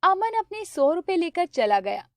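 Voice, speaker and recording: A woman narrating a cartoon story in a steady, plain storybook way. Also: extremely high pitch, a little slow, no echo.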